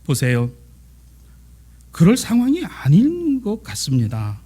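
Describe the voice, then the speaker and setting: A pastor delivering a Sunday sermon in a high-pitched voice. He presses hard on key phrases, then drops to near-whispers. Slow, deliberate stretches alternate with quicker asides. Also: huge pitch swings, breathy edge. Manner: preaching with dramatic swings between loud emphasis and hushed near-whispers.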